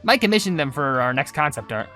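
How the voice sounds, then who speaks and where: A video host voicing a cool, understated cookie fashion designer from a game, in a measured manner. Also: mid-range voice, big pitch swings, bright, forceful tone, faint music behind. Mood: cool interest.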